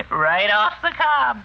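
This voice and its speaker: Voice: medium pitch, sing-song, drawn-out words, gravelly, exaggerated voice. An actor voicing a mocking ventriloquist's dummy with a jaunty, wisecracking, taunting drawl in an old radio horror play. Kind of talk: 1940s radio horror acting. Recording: muffled, faintly noisy old radio recording.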